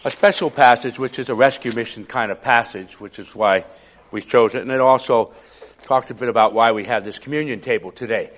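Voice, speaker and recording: A man preaching a sermon in a conversational way, with a raspy, hoarse voice from a cough and chuckling asides. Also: mid-range voice, fairly quick, a bit bright.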